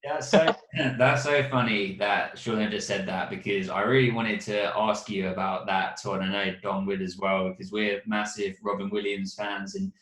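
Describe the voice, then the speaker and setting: A man hosts a casual podcast, asking long, rambling questions full of fillers. His voice sits low. The sound bounces around a roomy, echoey space. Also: steady tone, normal speed, a bit bright. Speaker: podcast host. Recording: roomy echo.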